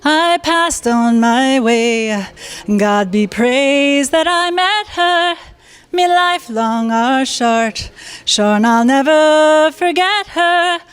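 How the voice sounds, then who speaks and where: A woman's voice: high-pitched, animated, very slow, faint music behind. A woman singing a folk ballad unaccompanied at a community event, admitting she gets nervous.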